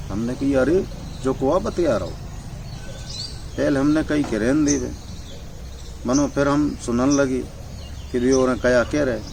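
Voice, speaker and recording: A man at medium pitch, fairly even in intonation, with long, frequent pauses, plus audible room echo and noticeable background noise. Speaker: writer and professor. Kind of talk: storytelling in dialect.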